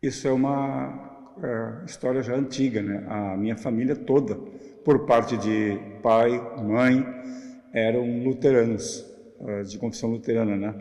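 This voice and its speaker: Against noticeable background noise, a man of medium pitch talks at a fairly slow pace. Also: ordinary pitch variation. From southern Brazil, Novo Hamburgo (Rio Grande do Sul). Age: 60s. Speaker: church member. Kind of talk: interview testimony. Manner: hesitant, with fillers.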